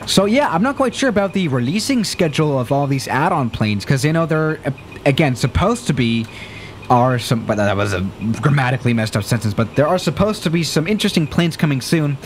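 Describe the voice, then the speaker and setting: Chatty young male streamer, slightly high. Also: a little fast, a little hiss or hum. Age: young adult. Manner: chatty, excitable, flustered by emergencies. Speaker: flight sim streamer. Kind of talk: live-stream commentary. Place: small room indoors. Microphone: studio mic on desk.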